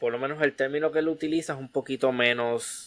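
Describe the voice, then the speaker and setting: The clip has an ordinary speaking voice. Pitch variation is ordinary. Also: man. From Puerto Rico. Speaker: history podcast host. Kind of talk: interview conversation.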